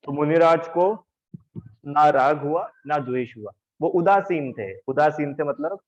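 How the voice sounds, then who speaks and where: Calling students by name and drilling them with repetition, a patient male teacher runs an online religion class on a video call. He speaks in an unhurried, high-leaning voice, captured with dull audio.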